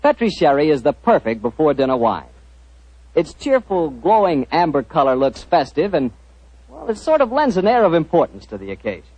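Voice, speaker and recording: A man working as a radio announcer and sponsor pitchman, with a smooth, polished, salesman-like delivery, in a 1940s broadcast. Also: wildly swooping pitch, fairly quick, darkish tone, poor audio.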